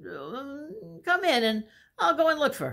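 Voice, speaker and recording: A woman puts on a character voice, pitched high and delivered at a fairly slow pace in a very clean recording with a silent background. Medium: read story.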